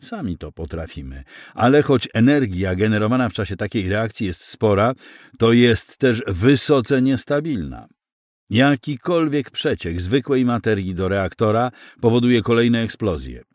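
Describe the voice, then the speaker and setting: Male narrator doing a gloomy admiral, low, heavy and matter-of-fact, dry close sound. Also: animated, unhurried, a little mellow, dry recording. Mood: grim, explaining.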